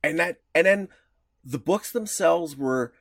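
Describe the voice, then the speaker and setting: A man's voice: expressive, measured pace, creaky, a bit bright, no echo, studio quality. A man co-hosting a podcast, talking casually and rambling with frequent chuckles. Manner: rambling, chuckling, pitch jumping around. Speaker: podcast co-host. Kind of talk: casual chat.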